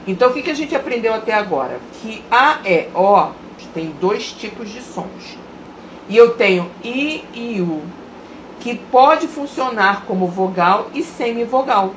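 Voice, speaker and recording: A woman teaching a grammar lesson, sounding out example words slowly and deliberately. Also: a little high, expressive. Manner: slow, drawn-out pronunciation of example words. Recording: roomy, dull lo-fi recording with faint hiss.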